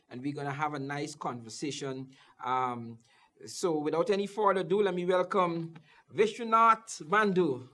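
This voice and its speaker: Higher-pitched jovial male talk show host. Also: fairly bright tone. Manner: jovial, joking, repeats "okay" and "wow". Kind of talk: political talk show interview.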